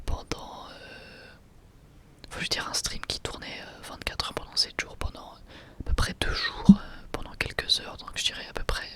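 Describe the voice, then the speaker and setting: A man speaking in a soft, breathy ASMR whisper, gently addressing viewers as a video creator.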